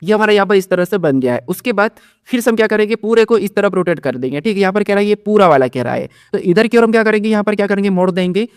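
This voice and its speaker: A man's voice: high-pitched, expressive, fast talker, hardly any pauses, smooth, no room sound, studio quality. A man teaching a reasoning exam-prep lesson. He asks questions and answers them himself, and keeps checking in with "theek hai".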